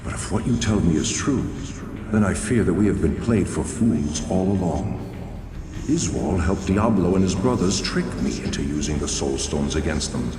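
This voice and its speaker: Deep, echoing, noble archangel. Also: male voice, expressive. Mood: grave foreboding. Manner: stately, measured, formal. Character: noble, grave male archangel, solemn and commanding. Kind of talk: dark fantasy game voice acting. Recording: echoing long hall reverb, noisy ambience.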